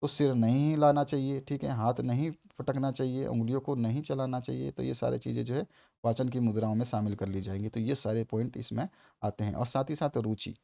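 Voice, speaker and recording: A man's voice: medium pitch, fairly even intonation, a little fast, vocal fry, mellow. A man teaching an exam-prep lesson. He goes over each point more than once, checks in with "theek hai", and stresses words hard when he acts out examples.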